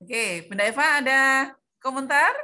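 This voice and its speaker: A woman's voice: high-pitched, expressive, moderate pace, sharp tone. A woman presenting an online workshop for preschool teachers over a video call, quizzing her audience and calling on participants by name. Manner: questioning, drills the audience, calls out participants by name.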